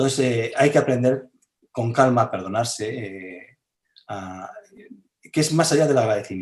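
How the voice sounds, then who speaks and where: A man speaks at a moderate pace and a medium pitch with ordinary pitch variation. He leaves long, frequent pauses. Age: 60s. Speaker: author and speaker on language. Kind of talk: interview conversation. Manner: halting, many fillers.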